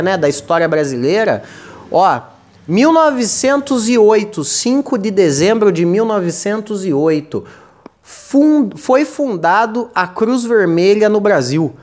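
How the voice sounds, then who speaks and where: A Brazilian man hosts a loose, comedic podcast monologue, wandering from point to point. He trips over his words and repeats them as he goes, and keeps a joking tone throughout. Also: sits high. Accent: Brazilian Portuguese. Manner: rambling, stumbles and repeats words, jokey. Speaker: podcast host.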